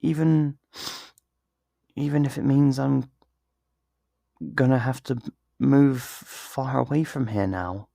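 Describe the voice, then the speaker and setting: A man playing a torn, tender best friend in an intimate ASMR roleplay, speaking in a halting, emotional, pleading way. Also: medium pitch, gravelly, dark tone, no echo, studio quality. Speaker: audio roleplay voice actor.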